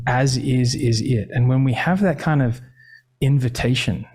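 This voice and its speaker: A man's voice: medium pitch, a little slow. A man teaching conversationally as a voice coach, earnest and emphatic, repeating phrases to give them weight.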